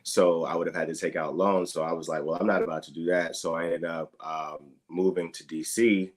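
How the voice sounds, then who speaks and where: Man, thirties, from the Midwest, very low voice, slow casual explaining, frequent fillers. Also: little pitch movement. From Dayton, Ohio, US Midwest. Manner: explains slowly with many fillers. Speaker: guest. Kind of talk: casual interview talk.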